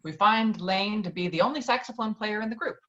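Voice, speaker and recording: A woman's voice: medium pitch, fairly quick, pushed and bright. A woman narrating stage directions from a screenplay in a table read. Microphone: virtual table read over video call. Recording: dull lo-fi video call audio.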